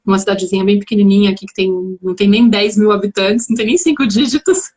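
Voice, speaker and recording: A woman with a São Paulo Brazilian Portuguese accent joins a casual live stream as a guest, her mid-range voice a little mellow and fairly quick. She reflects and chats freely, restarting many times.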